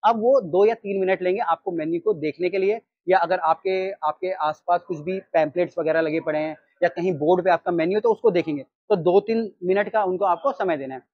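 A man in his thirties with an Indian accent, teaching restaurant staff how to take orders in an animated way. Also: high voice, brisk, hardly any pauses, no echo, muffled recording. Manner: animated, gestures while reading from a sheet. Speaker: restaurant trainer. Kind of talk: training talk. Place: storefront of a small takeaway, outdoors. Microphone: lapel mic.

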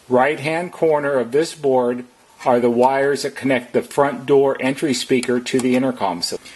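A man's voice: medium pitch, slightly rough. A man narrating a step-by-step how-to as a technician, explaining plainly and methodically. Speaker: repair technician giving instructions.

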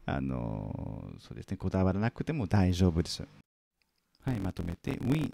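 A man with a deep, creaky, dark-toned voice corrects a student's homework in a video teaching French. He is patient, saying French phrases again slowly and carefully. The sound is clean studio audio without any room sound.

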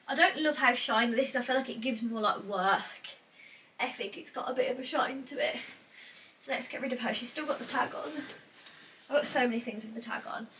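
Young woman, British accent, bright and a touch high, stuffy cold voice, rambling casual chat, distant mic in a small bedroom. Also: fairly quick. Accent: British English. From England. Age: young adult. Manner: chatty, thinks out loud, frequent "like". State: slightly congested with a cold. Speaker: vlogger. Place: small cluttered bedroom wardrobe room indoors. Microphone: camera across the room. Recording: distant mic, faint noise.

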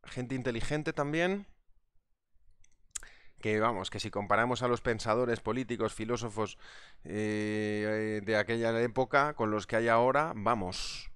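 Chatty man, smooth low voice. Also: unhurried, fairly bright tone, no room sound, clean studio sound. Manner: chatty, reads out viewer comments. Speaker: trading instructor. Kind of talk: live market analysis webinar.

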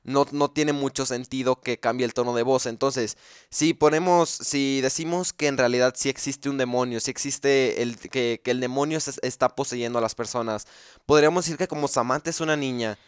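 A man's voice: mid-range voice, steady tone, moderate pace, clean tone, dry recording, studio quality. A man gives casual commentary explaining video game lore. He thinks aloud, with frequent fillers and restarts.

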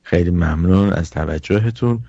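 A man hosting a talk show, thanking his guest and announcing music, polite and halting, repeating words. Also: low voice, mellow, breathy edge, dry recording, highs cut off. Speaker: host.

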